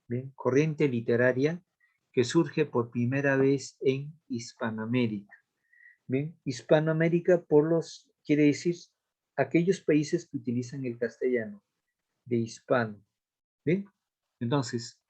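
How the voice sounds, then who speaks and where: A man teaching a literature class in a recorded lesson, explaining patiently, repeating key points and often checking in with a quick question. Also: mid-range voice, darkish tone. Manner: counts out verses aloud slowly.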